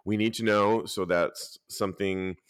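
A man hosting a casual podcast, talking lively and reading out articles and listener posts. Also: on the low side, a little slow, clean tone, no echo, studio quality. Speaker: podcast host.

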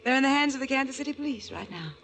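A woman's voice: high voice, expressive, racing, fairly bright tone. An American actress playing a shrewd, self-assured female investigator in a 1940s radio drama. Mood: cool, amused.

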